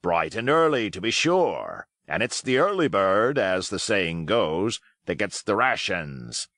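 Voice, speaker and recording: A man's voice: on the low side, big pitch swings, measured pace, fairly bright tone, dry recording, studio quality, heavily acted. A man putting on a hearty, sly old pirate cook. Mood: jovial. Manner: beaming, hearty, wheedling seafaring talk. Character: jovial old one-legged male pirate cook, sly.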